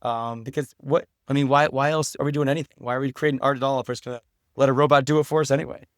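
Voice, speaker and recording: A man's voice: mid-range voice, steady tone, very fast, no room sound, clean studio sound. A man speaking earnestly and thoughtfully as a podcast guest in a reflective interview conversation. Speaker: podcast guest, writer and teacher.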